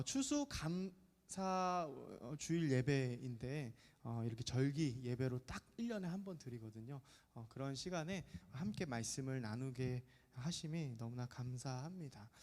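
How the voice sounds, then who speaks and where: A man's voice: medium pitch, a little mellow. A man in his thirties, a pastor giving a chatty, jokey sermon to a middle-school youth group, often asking the congregation questions. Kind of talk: lively sermon to teenagers. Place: church sanctuary. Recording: long church reverb.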